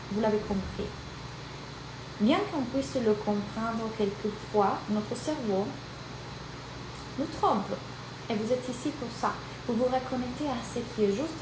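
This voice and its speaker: A woman from Italy with an Italian accent, a life and business coach speaking energetically and directly to viewers in a live-streamed masterclass. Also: mid-range voice. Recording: echoey room with background noise.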